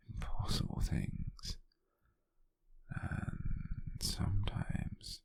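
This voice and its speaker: A British man playing a gentle, doting, softly teasing lover in an intimate, breathy, gravelly ASMR whisper, speaking slowly and soothingly. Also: a bass voice, full character voice. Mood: content, affectionate. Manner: slow, soothing, with soft pauses.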